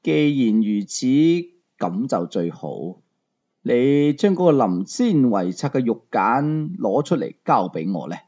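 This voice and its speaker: A man voicing a calm, commanding black-robed elder in slow, quiet, Hong Kong-accented Cantonese for a story. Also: medium pitch, breathy edge, dull audio. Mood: calm, demanding.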